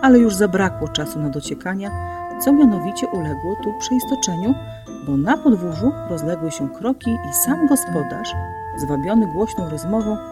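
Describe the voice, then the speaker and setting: A woman narrating a story in lively scripted style, shifting her voice for the characters. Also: on the low side, moderate pace. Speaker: audiobook narrator. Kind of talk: scripted narration with acted dialogue. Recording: music bed under the voice.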